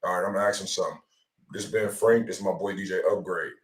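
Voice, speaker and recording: A man's voice: low voice, steady tone, fast. An American man hosting a podcast in casual, slangy, profane talk, often repeating himself. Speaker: podcast host taking audience questions on a livestream. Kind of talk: casual chat with heavy slang. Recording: roomy, echoey sound.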